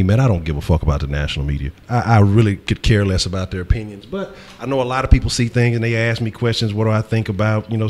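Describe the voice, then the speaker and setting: Low-voiced man, slangy hype talk. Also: a little mellow. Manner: slangy, repeats phrases, hyping. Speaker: sports talk show host. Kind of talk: casual live sports talk.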